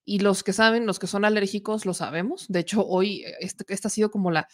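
A woman's voice: mid-range voice, steady tone, fairly quick. A woman in her thirties with a Mexican accent hosts a political talk show in a chatty, joking way, still getting over a cough from allergies. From Puebla, Mexico. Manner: chatty and joking, with asides to the producer. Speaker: political commentary host.

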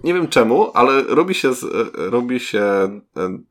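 A man's voice: medium pitch, big pitch swings, normal speed. A man co-hosting a casual podcast, speaking hesitantly with many fillers and trailing phrases. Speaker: podcast co-host. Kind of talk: casual chat.

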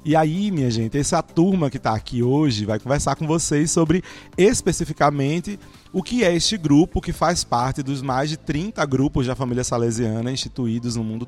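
A man's voice: mid-range voice, darkish tone. Man, priest and podcast host, explains at length, chatty with fillers, faint music behind. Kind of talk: relaxed conversational podcast hosting.

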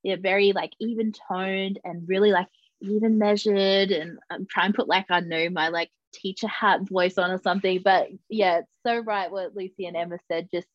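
A woman with a youthful-sounding voice, hosting a podcast conversation. She talks freely and pokes fun at herself. The recording is dry, slightly muffled and a little dull in the highs. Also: steady tone, moderate pace, dry recording. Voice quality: young-sounding voice. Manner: warm, self-deprecating and talkative. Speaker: podcast host. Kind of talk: casual interview chat.

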